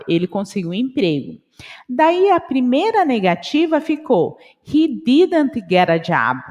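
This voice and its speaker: Slow, lively-voiced Brazilian woman teacher. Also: medium pitch, long reverb tail. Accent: Brazilian Portuguese. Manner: slow, repeats English phrases and translates them. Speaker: English teacher. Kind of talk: online English lesson.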